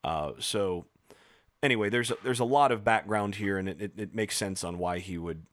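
A man explaining ideas in a casual podcast discussion, professorial and halting, with frequent restarts and fillers. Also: lowish voice, a bit bright. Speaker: podcast co-host.

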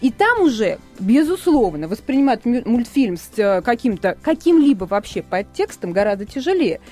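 A woman psychologist, a guest on a radio talk show, explaining her points in a measured way. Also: on the high side, sing-song, mellow, faint music behind. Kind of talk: radio studio discussion.

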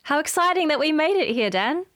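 A woman's voice: sits high, animated, fairly quick, a bit bright, no room sound. A young adult woman with an Australian accent, co-hosting an astronomy podcast in an enthusiastic, bubbly chat. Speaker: podcast co-host, research fellow. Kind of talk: casual chat.

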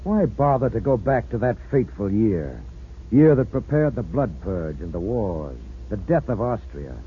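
A man's voice: mid-range voice, phone-quality sound, a little hiss or hum, close to an everyday voice. An actor playing a grave, impassioned male narrator in a 1940s radio drama, solemn and declamatory, on an old recording. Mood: grim. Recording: old 1940s radio recording, band-limited, music behind.

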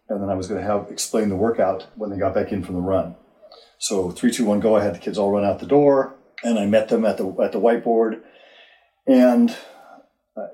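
An older man, a youth fitness coach, tells stories in a relaxed podcast chat and acts out his own shouts along the way. His voice sits fairly low and mellow. The room around him rings with echo. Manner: acts out his own yelling in retold scenes. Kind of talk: casual storytelling on a podcast. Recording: roomy echo.

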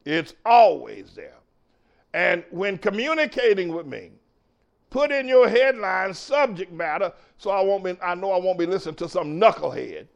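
A pastor hosting his own show preaches emphatically in a talk-show monologue, repeating phrases and calling out cues to his engineer. His high, gravelly voice swings widely in pitch at a normal speed, and the recording's highs are cut off.

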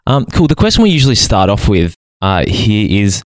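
A man hosts an education podcast and introduces his guest in a measured, formal reading. His voice sits a little low. The recording is dry and close. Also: sing-song, no room sound. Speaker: podcast host. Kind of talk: scripted introduction and interview questions.

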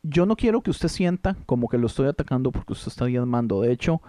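Animated costa rican podcast co-host, dry sound. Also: male voice, medium pitch, quick pace, dry recording. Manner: animated, slangy, self-mocking. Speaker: podcast co-host, worship leader. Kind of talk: casual chat.

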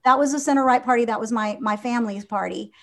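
A woman's voice: a little high, quick pace. A woman in her fifties from Venezuela, a guest in an interview, talking earnestly with many fillers and restarts. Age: 50s. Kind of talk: conversational interview.

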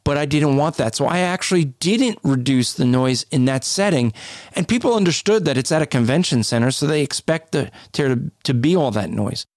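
A man with a deep, booming voice co-hosting a podcast, explaining things in a casual, conversational way. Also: animated, normal speed, no echo, clean studio sound. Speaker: podcast co-host.

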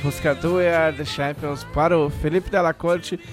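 A man's voice: fairly high pitch, steady tone, moderate pace, loud music behind the voice. A man with a Brazilian accent hosting a podcast in casual banter, with a teasing, ironic manner. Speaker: podcast host.

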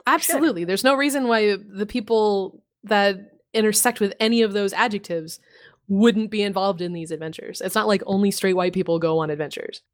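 A woman's voice: mid-range voice, fairly quick. A woman co-hosting a podcast in casual chat, swearing freely and telling stories with lots of laughter. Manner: laughing, swearing, animated storytelling. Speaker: podcast co-host.

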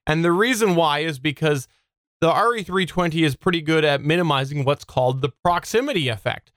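A man's voice: a little high, fairly quick, a bit bright, no room sound, studio quality. A man co-hosting a podcast, giving practical, conversational advice about microphones and sound. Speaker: podcast co-host. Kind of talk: casual instructional chat.

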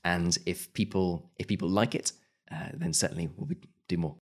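A man's voice: low voice, moderate pace. A British man answering interview questions in a thoughtful, casual way, often restarting his sentences. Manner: thoughtful, frequent restarts and small laughs. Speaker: podcast host and audio drama producer.

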